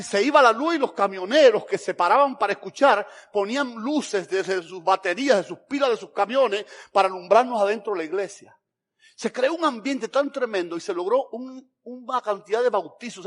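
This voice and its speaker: A man from Cuba, preaching a sermon and telling a personal story, acting out the dialogue with sudden loud bursts and soft drops. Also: sits high, normal speed.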